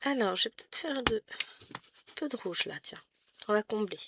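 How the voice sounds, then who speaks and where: A tired, hoarse woman vlogging at home, chatting away as she stitches and trailing off into little asides. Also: on the high side, expressive, normal speed, fairly bright tone, no echo. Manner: chatty running commentary, dropping into asides. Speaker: embroidery vlogger. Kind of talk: casual chat while stitching. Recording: noisy home recording.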